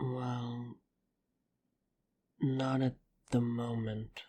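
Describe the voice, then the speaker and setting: A man puts on a character voice at a medium pitch. His intonation is flat and monotone. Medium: audio drama. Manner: calm, earnest.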